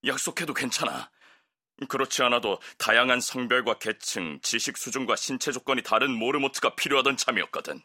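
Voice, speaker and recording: A man's voice: mid-range voice, animated, brisk, sharp tone, pitched above the performer's own voice. A man voicing a gleeful, sadistic male lab director in an audiobook, with a mocking, condescending manner. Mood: gloating. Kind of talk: audiobook character voice.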